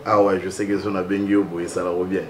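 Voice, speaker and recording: An actor with a Congolese accent playing an excitable man in a domestic drama, by turns deferential and indignant. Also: deep voice, brisk, a little hiss or hum, natural voice. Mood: eager, deferential. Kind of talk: acted domestic drama dialogue.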